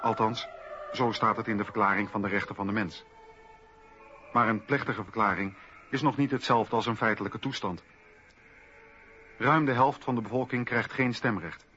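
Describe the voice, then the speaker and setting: A man reads scripted documentary narration in a fairly low, bright and forceful voice. Music plays faintly behind him on a somewhat dull radio recording. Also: steady tone, moderate pace, pauses often.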